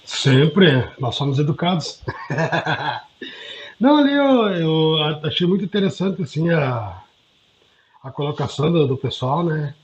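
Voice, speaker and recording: A man's voice: a little high, big pitch swings, unhurried, long pauses. Earnest man on dull lo-fi audio. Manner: earnest, self-deprecating. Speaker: study group participant. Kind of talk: personal reflection in group discussion.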